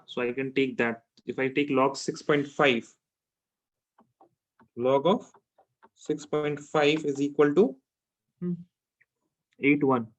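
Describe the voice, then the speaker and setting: A chemistry teacher with a South Asian accent tutors one-to-one informally, repeating phrases and often asking questions to check understanding. His voice is on the high side with a fairly bright tone.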